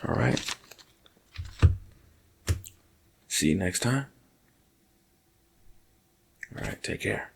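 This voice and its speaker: A man playing a nervous night security guard in an ASMR roleplay, talking casually and haltingly to his partner and slipping into whispers. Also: lowish voice, lively intonation, gravelly, slight background noise. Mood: drained, subdued.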